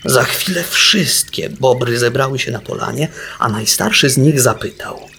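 A man narrating a storybook in a wry, measured way. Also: mid-range voice, lively intonation, creaky, sharp tone, a little hiss or hum. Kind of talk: storybook reading.

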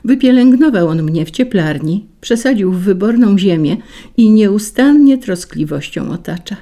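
A woman's voice: mid-range voice, expressive, normal speed, warm tone, voice pushed up, lightly acted. Woman playing a haughty lady flower. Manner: haughty, self-satisfied. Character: proud delicate foreign lady flower. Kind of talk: storybook reading.

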